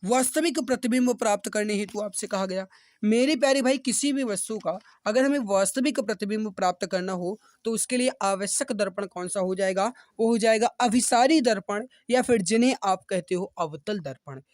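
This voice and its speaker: Repetitive Hindi exam-prep teacher, dry close sound. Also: male voice, sits high, moderate pace, no echo. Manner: addresses students as dear brothers and sisters, repeats answers; rousing motivational appeals. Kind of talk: online exam-prep class.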